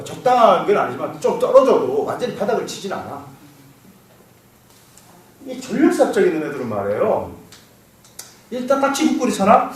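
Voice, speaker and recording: Guy lecturing a class, high animated voice, asks questions, laughs a lot, echoey room far off. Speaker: saju lecturer. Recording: roomy echo, mic far off, faint noise.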